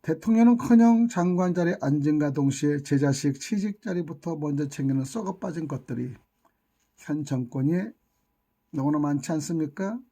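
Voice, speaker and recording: A man's voice: fairly high pitch, moderate pace, mellow. A man giving an impassioned monologue, scolding and lamenting with rhetorical questions and insults. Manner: scolding, indignant, hurls insults. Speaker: YouTube channel commentator.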